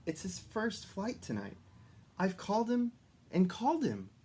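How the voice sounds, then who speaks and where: A man's voice: high-pitched, wildly swooping pitch, unhurried, mellow, slight background noise, pitched above the performer's own voice, heavily acted. A man voicing a little old elf, anxious and hesitant, in a children's storybook. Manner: hesitant, apologetic. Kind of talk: children's storybook read-aloud.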